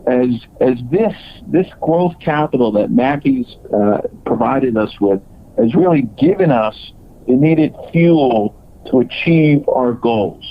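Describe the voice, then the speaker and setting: A man presenting as a company executive, reading scripted earnings call remarks in a halting way with broken phrasing. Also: medium pitch, animated, a little hiss or hum. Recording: dull, lo-fi conference call audio.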